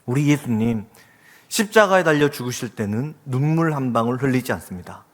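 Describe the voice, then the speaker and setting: A man's voice: mid-range voice, lively intonation, brisk. A pastor in his forties preaching a sermon, telling a family story earnestly and acting out the voices in it. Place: church sanctuary. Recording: long reverb of a church hall.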